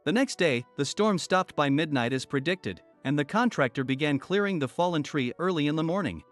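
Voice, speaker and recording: A man narrating a first-person story in a steady, even storytelling manner. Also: on the high side, brisk. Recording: soft music bed under voice.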